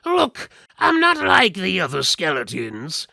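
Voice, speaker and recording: A man's voice: sits high, wildly swooping pitch, takes it slowly, gravelly, pushed and bright, no room sound, studio quality, voice pushed up, heavily acted. A man voicing a pleading, chatty skeleton in a fantasy story, insistent and wheedling. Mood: defiant. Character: pleading, chatty male skeleton, bored caged undead father. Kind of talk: fantasy audiobook dramatic reading.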